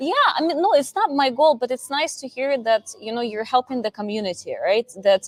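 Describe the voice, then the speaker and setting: Over noticeable background noise, a woman with a high pitch and lively intonation talks at a moderate pace, with hardly any pauses. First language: not English. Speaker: Amazon sourcing business owner. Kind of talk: casual interview chat. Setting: at a trade event in Sydney.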